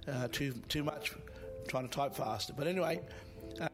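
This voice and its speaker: A man hosting a radio show, his voice slightly croaky, speaking haltingly with many pauses. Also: fairly high pitch, over music. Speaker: host.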